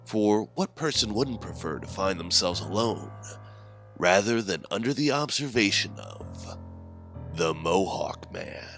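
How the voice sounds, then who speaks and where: A man hosting and narrating horror stories in a scripted, measured, theatrical manner, with deliberate phrasing. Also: deep voice, animated, vocal fry, a bit bright, soft background music. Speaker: horror anthology host and narrator.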